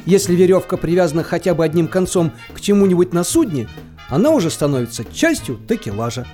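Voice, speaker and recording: An actor playing a pedantic dictionary reader, giving definitions in a playful, mock-scholarly, sing-song way. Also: male voice, sits high, sing-song, quick pace, music in the background. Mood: playfully didactic. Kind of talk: mock-scholarly scripted reading, audio play.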